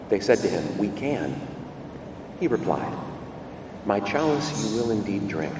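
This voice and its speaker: Priest preaching in cathedral echo. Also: male voice, on the low side. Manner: lively preaching, leaning hard on key words. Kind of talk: gospel reading and homily at Mass. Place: large church. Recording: long church reverb, distant mic, room noise.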